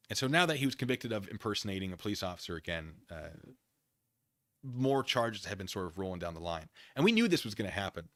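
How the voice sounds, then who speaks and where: A man's voice: deep voice, fairly bright tone, no room sound, clean studio sound. A man hosting a livestream, giving casual, rambling commentary with playful, self-deprecating asides and chat with his viewers.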